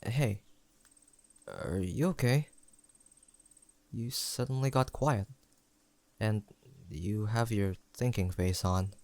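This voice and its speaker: Slow and creaky, with long pauses, a young adult man voices an affectionate best friend in an intimate audio roleplay, sounding amused and chatty. The recording of his fairly low voice is close and dry with no echo, and his gentle, sincere talk carries a teasing, playful edge.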